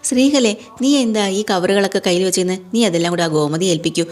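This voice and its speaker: A woman's voice: mid-range voice, brisk, darkish tone. Chatty woman retelling a serial episode. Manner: chatty, adds tag words to sentences. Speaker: serial recap presenter. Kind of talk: casual storytelling recap.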